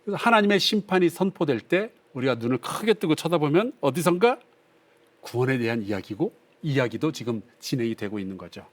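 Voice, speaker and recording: A male pastor teaching a Bible class on broadcast, reading scripture aloud and explaining it in a lively, conversational way. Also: mid-range voice, fairly quick. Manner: reads scripture aloud, acts out drunk voices playfully.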